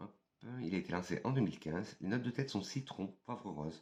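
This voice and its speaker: A man is speaking. His intonation is lively. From France. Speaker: perfume YouTuber and perfume sales advisor. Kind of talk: casual video review. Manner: hesitant, with fillers.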